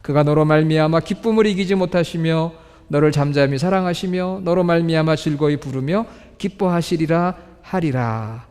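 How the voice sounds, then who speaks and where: A man preaching a sermon to his congregation, asking them questions and reading scripture slowly. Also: on the high side, darkish tone, clear, resonant tone. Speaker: pastor. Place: church sanctuary. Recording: reverberant church hall.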